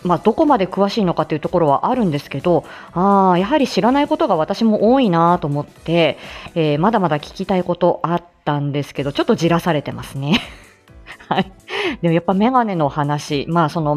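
A woman who is a speech-language therapist hosts a casual live stream, chatting with many fillers and frequent laughs. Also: fairly low pitch.

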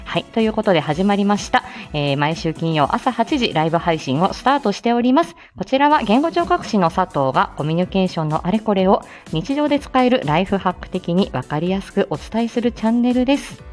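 A woman's voice: medium pitch, big pitch swings, brisk, hardly any pauses, a little mellow, faint music behind. Flustered, chatty woman live-streaming. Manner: flustered, chatty, many fillers and small laughs. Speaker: speech therapist and live-stream host. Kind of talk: casual solo live stream.

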